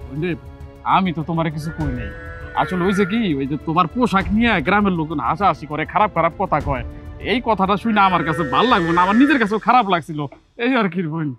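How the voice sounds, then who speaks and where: Man acting a poor village husband, quick anxious talk, faint music behind. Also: high-pitched, lively intonation. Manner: worried, despairing. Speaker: village husband and elder brother. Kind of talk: television drama acting.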